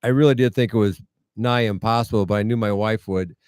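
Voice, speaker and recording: A middle-aged American man with a Midwestern accent and a fairly low, smooth voice. He tells his story earnestly with wry humor, close and dry, as a guest in an interview. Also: fairly even intonation, quick pace, a little mellow, no room sound. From United States, rural Iowa. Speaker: interview guest, medical mission founder. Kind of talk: conversational storytelling.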